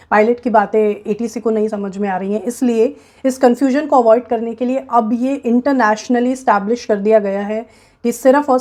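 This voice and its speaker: A woman's voice: a little high, mellow. A woman with an Indian accent giving an informal explainer to viewers, frank and emphatic, slipping English phrases into her explanations. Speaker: presenter of a job recruitment guide.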